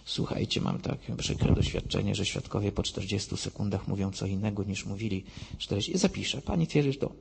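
A man's voice: on the low side, flat delivery, brisk, gravelly, slight background noise. A man giving a preaching talk who retells debates and acts out both sides of the argument. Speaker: Catholic lay speaker. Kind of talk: preaching talk with retold dialogues. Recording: long hall reverb.

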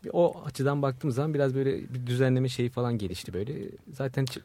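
A man's voice: medium pitch, fast, warm tone. A male musician reflecting on their music in a radio interview, with loose, rambling phrasing. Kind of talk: casual interview.

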